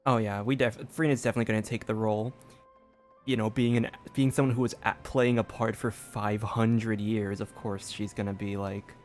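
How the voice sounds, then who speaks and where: A man's voice: on the low side, little pitch movement, fairly quick, a little mellow, faint music behind. A young adult man giving casual, musing gaming commentary, thinking aloud as he streams. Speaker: game streamer.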